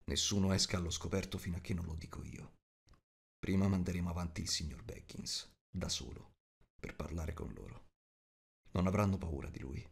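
Guy doing a stern careful dwarf boss, low hushed orders, audiobook. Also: moderate pace, creaky, breathy edge, heavily acted. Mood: commanding, cautious. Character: stern, cautious male dwarf leader.

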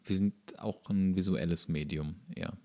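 A man co-hosting a podcast in casual comedic chat, joking dryly with a deadpan delivery. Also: low-pitched, moderate pace. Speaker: podcast co-host.

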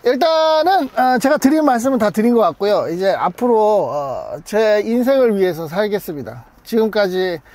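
A man's voice: sits high, lively intonation, moderate pace, few pauses, darkish tone. A man in his thirties talking casually and with self-assurance to his vlog camera. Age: 30s. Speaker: YouTuber, car collector. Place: mostly inside a car, sometimes outdoors.

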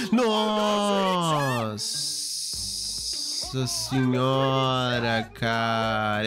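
A male gaming YouTuber reacts to game clips excitably, full of exclamations, swinging between jumpy high shouts and low mutters.

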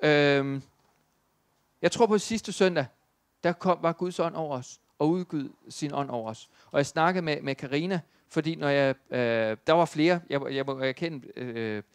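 A man's voice: fairly high pitch, clear, resonant tone. A man preaching a sermon in a church, talking in an earnest, impassioned way with some hesitant fillers. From Denmark.

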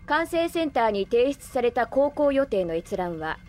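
A woman playing an emotionless female android in an anime audio drama, speaking in formal, precise, deadpan reports. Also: on the high side, normal speed, soft background music. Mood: detached.

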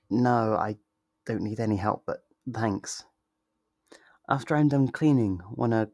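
A man's voice: fairly low pitch, darkish tone, no room sound, studio quality, full character voice. A man playing a sweet, possessive yandere lover in an intimate ASMR roleplay, tender and reassuring. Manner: tender, reassuring, slow and deliberate.

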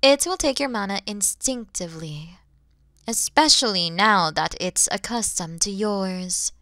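A woman's voice: mid-range voice, unhurried, no echo, studio quality. A woman voicing a kind, motherly and playful dragon woman in an ASMR audio roleplay, speaking expressively and directly to the listener. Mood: explaining, reassuring. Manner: expressive, teasing, gentle, addressing the listener directly.

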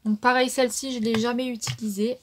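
A woman's voice: fairly high pitch, level tone, fairly quick, slight background noise. A woman with a French accent casually reviewing makeup palettes, chatty and full of fillers. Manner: chatty, many fillers and "donc". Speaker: beauty vlogger.

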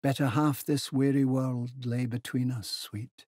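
A man voicing a stiff, easily affronted literary gentleman in a novel, with an affected, hesitant manner. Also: medium pitch, steady tone, a little slow, slightly rough, dry recording, studio quality, voice pushed up. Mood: earnest, rapt.

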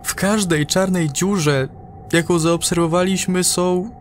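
A man playing a frightened, desperate space crew member in an audio horror drama, agitated and halting, swearing as he pleads. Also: sits high, fairly even intonation, slight background noise, pitched above the performer's own voice.

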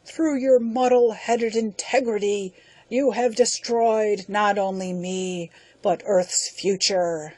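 A woman reading the part of a dying alien overlord, speaking slowly in a gasping, bitter way. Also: medium pitch, steady tone, warm tone, no room sound.

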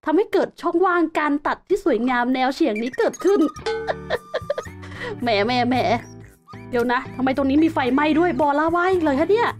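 A woman's voice: high-pitched, expressive, fast, music in the background. A young woman hosting a survival game video, chatting to viewers and exclaiming as she explores. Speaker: game host. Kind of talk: casual Let's Play commentary.

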